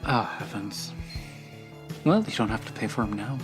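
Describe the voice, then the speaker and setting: Tabletop game role: brash spacefaring woman, wary, colloquial, sharp-tongued male performer. Music underneath. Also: on the low side, moderate pace, close to an everyday voice. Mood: probing, sardonic. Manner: blunt, colloquial, sardonic. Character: brash, exasperated woman ship owner, wry and wary.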